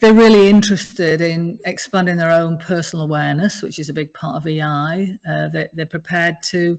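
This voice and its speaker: At a moderate pace, a woman speaks in a plain, everyday voice, fairly low in pitch with ordinary pitch variation. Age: 60s. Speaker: business coach and leadership speaker. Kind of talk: interview.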